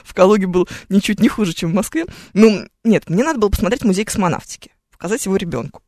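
A woman's voice: mid-range voice, lively intonation, quick pace, darkish tone, dry recording. A woman co-hosting a radio morning show, telling travel stories in a chatty, ironic way into a studio microphone. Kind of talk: casual on-air chat.

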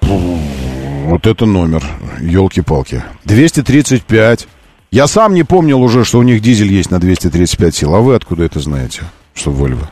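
A man hosting a live radio quiz show, chatting casually in a halting, self-correcting way with playful exasperation. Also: fairly low pitch, lively intonation, darkish tone, a little hiss or hum. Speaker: radio host.

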